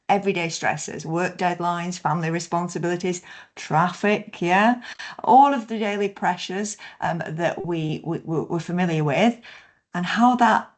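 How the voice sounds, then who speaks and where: A woman trainer leading an online session over a video conference call, explaining steadily and often checking in with "yeah?". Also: on the low side. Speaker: workshop trainer.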